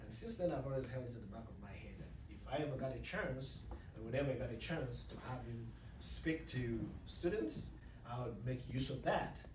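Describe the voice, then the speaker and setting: A man's voice: medium pitch, expressive, brisk. A man hosting the event and introducing the speaker, hesitant and full of fillers, in a large room. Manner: hesitant, many fillers and "you know". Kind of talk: casual introduction. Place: large lecture room with stained glass. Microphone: podium mic, recorded by far camera. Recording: roomy, distant, noisy room sound.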